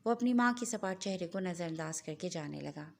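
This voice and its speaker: A woman narrating a serialized novel as an audiobook, with steady, dramatic storytelling. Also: fairly low pitch, fairly quick, vocal fry.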